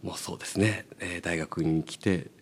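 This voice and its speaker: A man's voice: sits low, steady tone, normal speed, slightly rough. A middle-aged man from Kyoto with a Kansai accent, a university professor answering interview questions politely and humbly, with many fillers. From Kyoto, Japan. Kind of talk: radio interview guest.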